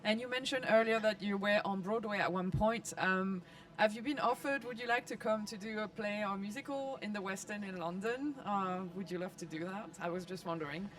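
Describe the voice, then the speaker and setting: A woman's voice: medium pitch, brisk, fairly bright tone. A woman in the audience eagerly asking a question at a live interview, restarting her sentences as she goes.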